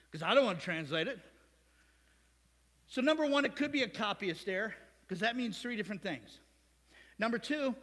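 Preaching in a church sanctuary with a long, echoing hall reverb, a male pastor speaks in an American Midwest accent and a voice high for a man. He keeps things animated, cracking jokes and making asides to his congregation throughout the sermon.

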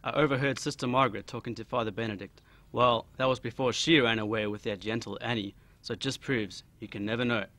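A contemptuous, gossipy churchgoer, acted by a man. He has a middling-pitched voice in a dry, close recording, with a radio-play delivery. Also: steady tone, fast, hardly any pauses, sharp tone, no room sound, natural voice. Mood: scandalized, disdainful. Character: gossipy, bigoted, judgmental male churchgoer. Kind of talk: audio drama acting.

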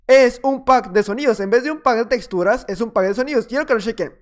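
A man's voice: extremely high pitch, quick pace. A man giving casual, playful commentary over his own gameplay. He rambles a little and teases the players he fights. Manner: playful, rambling, teasing opponents. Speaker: gaming video creator.

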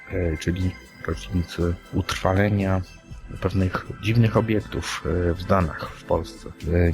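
A man from Poland hosting a podcast, presenting in a conversational way. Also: low-pitched. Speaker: podcast host. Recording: clear music under the voice. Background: background music.

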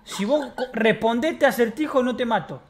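High-voiced Argentine man, brash and mocking. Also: normal speed. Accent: Argentine Spanish. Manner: brash, mocking, swaggering street talk. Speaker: streamer. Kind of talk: in-character game role-play.

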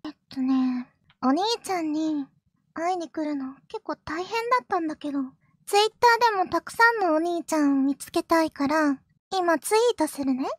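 A woman streamer voicing a clingy, possessive yandere little sister, sweet and doting but turning jealous and menacing, sometimes dropping to a hushed whisper. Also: sits high, moderate pace, no room sound, studio quality, close to an everyday voice. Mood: sweetly clingy. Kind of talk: live-stream character role-play, reacting to chat.

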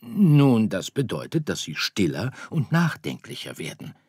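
Male reader as a gentle father star, slow, explaining, storybook audiobook. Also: lowish voice, husky, dry recording, studio quality, voice pushed up, full character voice. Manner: calm, explaining. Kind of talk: audiobook character voice.

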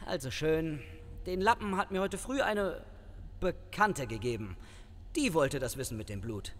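An actor playing a flirtatious, evasive, smooth-talking police sergeant in a crime radio play. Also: male voice, on the high side, expressive, unhurried, a bit bright, big-room sound, slight background noise. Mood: flustered, evasive. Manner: charming, wheedling, evasive. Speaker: actor in crime audio drama. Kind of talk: German crime audio drama acting.

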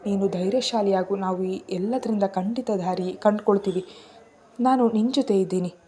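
A woman voicing a spirited, outspoken young woman in a storybook reading, talking high and exclamatory. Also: normal speed, mellow, close to an everyday voice. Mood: encouraging.

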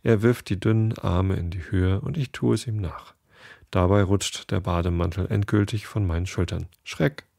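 A man hosting a podcast, reading a first-person story in a calm, measured way. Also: sits low, gravelly, dry recording, clean studio sound.

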